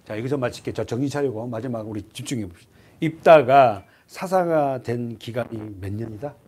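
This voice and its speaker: A male pastor preaching an expository sermon in a church, keeping it lively by quizzing the congregation and dropping to a hushed voice for grim points. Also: mid-range voice, a little fast. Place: church sanctuary.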